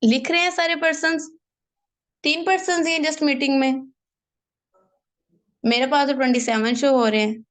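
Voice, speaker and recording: A young woman, running an online sales training over a video call, lively and coaxing, mixing in English phrases. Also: sits high, moderate pace, pauses often. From Pakistan. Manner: lively and coaxing, mixes in English phrases, keeps asking "theek hai".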